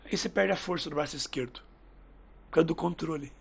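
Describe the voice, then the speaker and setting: A man with a fairly high, husky voice and a gravelly edge tells stories in a relaxed podcast chat. He acts out what people said in lively little voices. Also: quick pace. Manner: lively storyteller who acts out quoted dialogue. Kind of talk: casual podcast chat, storytelling.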